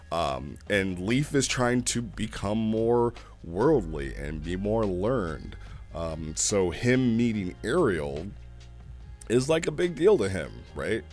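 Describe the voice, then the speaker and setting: A man giving a casual, rambling spoken review as a host, conversational and repeating phrases as he explains things. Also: low voice. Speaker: host reviewing role-play logs.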